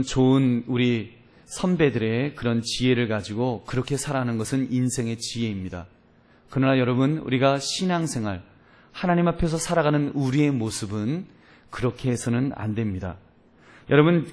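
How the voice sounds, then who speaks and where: A male pastor preaching a sermon, addressing the congregation directly and acting out the voices in his stories. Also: medium pitch. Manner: animated storytelling, acting out voices in quotes.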